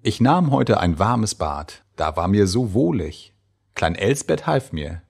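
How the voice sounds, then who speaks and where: A man giving a measured, expressive reading of old letters and diary entries. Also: fairly low pitch, vocal fry, music in the background. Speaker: reader.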